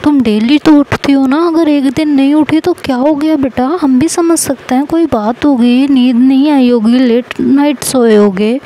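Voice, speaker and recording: A woman's voice: sits high, mellow, a little hiss or hum, pitched above the performer's own voice, low-quality recording. A woman storyteller voicing a teasing, doting middle-aged mother-in-law who scolds and then fusses. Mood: fussing. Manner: scolding then fussing, affectionate.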